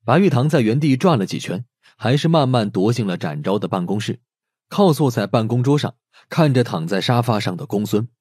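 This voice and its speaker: A man's voice: medium pitch, expressive, a little fast, darkish tone, husky, no echo, clean studio sound. A man narrating a scripted audio drama as a dramatic storyteller. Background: background music.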